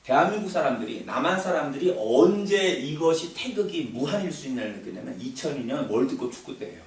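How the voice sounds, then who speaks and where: Slightly high-voiced and very animated, this man talks a little fast while delivering an informal lecture, chatting to his audience with frequent fillers and repetitions. It's recorded from a distance in a very echoey room with faint noise.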